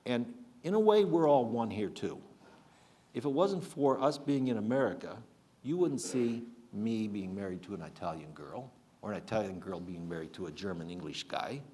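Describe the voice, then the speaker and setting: An older man speaking earnestly to an audience, his pitch rising and falling with lively emphasis. He stumbles and restarts now and then as he builds toward his point. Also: normal speed, slight background noise. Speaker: speaker at a public program. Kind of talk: public talk.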